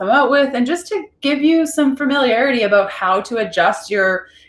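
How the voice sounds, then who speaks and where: The room echo is audible. A woman speaks at a moderate pace. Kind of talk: casual live stream chat. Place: kitchen.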